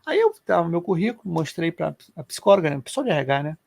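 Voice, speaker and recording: A middle-aged man tells personal stories, his pitch swinging widely as he gets emotional. He speaks in a slightly high, colloquial way, and the sound is dry and close with no room around it. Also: fast talker, gravelly, no room sound. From Brazil. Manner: animated, colloquial, emotional storyteller. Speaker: co-host. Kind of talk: personal storytelling in casual chat.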